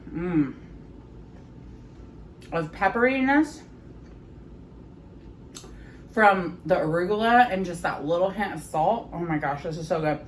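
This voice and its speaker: Chatty woman savoring food, lower voice. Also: slight background noise, rough recording. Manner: chatty, savoring bites with frequent mm sounds. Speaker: home cooking vlogger. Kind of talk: casual chat while tasting food. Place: home kitchen.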